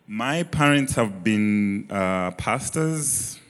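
Malawian-accented young man, low voice. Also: lively intonation, drawn-out words. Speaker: church member guest. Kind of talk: onstage interview. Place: large church auditorium, on stage. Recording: reverberant church hall.

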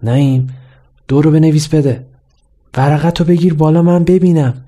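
A man's voice: a little high, fairly even intonation, warm tone, close to an everyday voice. A man voicing a teenage boy classmate whispering urgently during an exam.

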